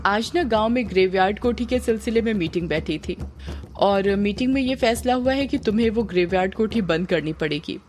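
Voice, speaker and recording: A woman narrator voicing a hesitant, gentle middle-aged uncle. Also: mid-range voice, normal speed, slight background noise, close to an everyday voice.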